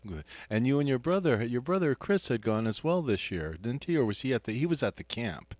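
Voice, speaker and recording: A man's voice: medium pitch, big pitch swings, brisk, a little mellow, no room sound. A man hosting a live radio interview in a studio, chatty, with many fillers and restarts. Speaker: radio host.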